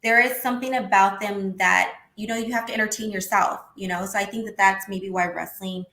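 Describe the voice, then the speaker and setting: A woman in her thirties with a high-pitched voice, talking in a casual, outspoken way as a guest on a video call interview. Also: fairly quick. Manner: animated, outspoken, swears casually. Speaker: interview guest, former wrestler. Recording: echoey room.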